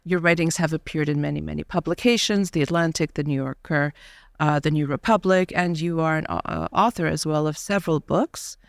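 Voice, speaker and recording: A woman hosting a podcast interview, speaking in a measured way with frequent fillers and soft laughs. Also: sits low, dry recording, studio quality. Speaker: podcast host. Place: university studio.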